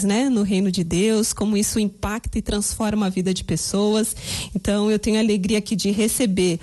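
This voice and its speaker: A woman hosting a radio interview show, introducing her guests and asking questions in a friendly, clear, conversational way. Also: mid-range voice, mellow.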